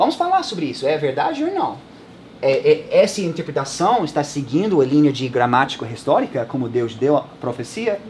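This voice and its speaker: Over noticeable background noise, a man with an English accent speaks in a fairly high voice with lively intonation. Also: moderate pace. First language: English (speaking Portuguese). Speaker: pastor, prophecy teacher. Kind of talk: lecture. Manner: code-switching, halting.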